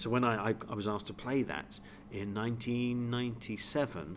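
A man speaks at a moderate pace. His intonation is fairly even.

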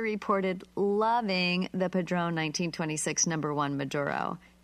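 An unremarkable speaking voice from a woman at a fairly slow pace, with ordinary pitch variation, in a very clean recording with a silent background. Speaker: travel segment presenter. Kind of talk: scripted segment reading.

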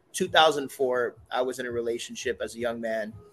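A man talks with a fairly slow delivery. His voice sits at a medium pitch. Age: 30s. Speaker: digital marketing expert and entrepreneur. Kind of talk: podcast interview.

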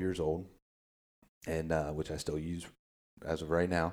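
A man's very deep, low voice in a monotone, flat intonation, on a very clean recording with a silent background. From US Midwest, southeastern Ohio. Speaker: hunting podcast co-host. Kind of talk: casual chat.

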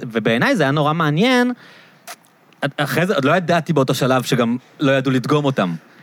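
A man's fairly high voice at a fairly quick pace, with lively intonation, long, frequent pauses and very even loudness, over noticeable background noise. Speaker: podcast host. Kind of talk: casual chat.

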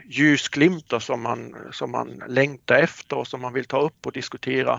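A man of medium pitch talks with vocal fry. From southern Germany. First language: German (speaking Swedish). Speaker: hospital physician. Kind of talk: interview. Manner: halting.

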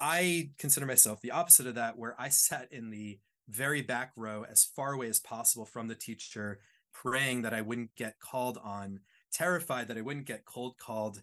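Set against a quiet background, the voice has a bright, sharp tone, a moderate pace and ordinary pitch variation. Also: man, medium pitch for a man. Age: 30s. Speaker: business school professor. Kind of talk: interview conversation. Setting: office. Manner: soft-spoken.

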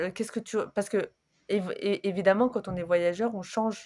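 A woman's medium-pitched voice, an ordinary speaking voice, with fairly even intonation at a moderate pace. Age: 30s. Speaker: podcast host. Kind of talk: casual chat.

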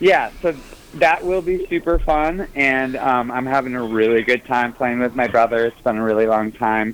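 A man at medium pitch keeps a moderate pace with ordinary pitch variation as noticeable background noise plays around him. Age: 30s. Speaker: band drummer. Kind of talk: interview.

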